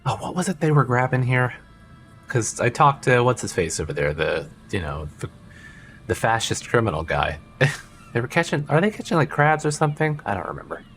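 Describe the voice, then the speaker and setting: A man's voice: medium pitch, very animated, fairly quick, fairly bright tone, soft background music. A man hosting a let's play, reading dialogue aloud and joking around in a rambling, self-interrupting way. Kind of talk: casual game commentary and reading dialogue.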